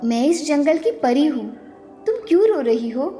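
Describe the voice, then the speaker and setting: A woman voicing a kind forest fairy queen who speaks gently and soothingly in an animated storybook. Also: sits high, normal speed, soft background music. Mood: gentle.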